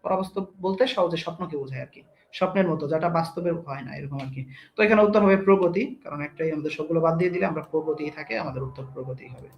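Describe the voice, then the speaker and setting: High-voiced young male teacher, echoey room. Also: quick pace, creaky, dull audio, slight background noise. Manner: explains step by step, asks students questions. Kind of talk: online grammar class.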